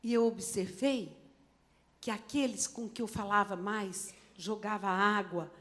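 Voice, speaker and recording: A middle-aged woman pastor with a Brazilian Portuguese accent, preaching a sermon with expressive swings between loud emphasis and quiet asides. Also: medium pitch, unhurried. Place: church service.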